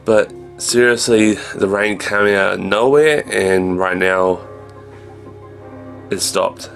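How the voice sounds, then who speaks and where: Slow, gravelly-voiced man vlogging. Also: fairly bright tone, faint music behind. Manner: low-key, meandering, jumps between everyday subjects. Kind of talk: casual rambling video diary. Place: small room indoors. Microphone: handheld camera at arm's length.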